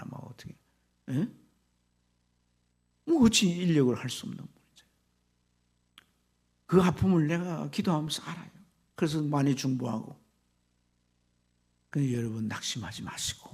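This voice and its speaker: A man, a pastor, preaching a sermon with fervor, swinging from loud exclamations to hushed whispers. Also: mid-range voice, slightly rough.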